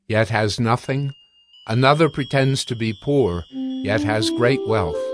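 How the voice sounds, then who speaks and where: A man narrating scripture in a deliberate, declarative dramatized reading. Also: mid-range voice. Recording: instrumental music bed. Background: instrumental music.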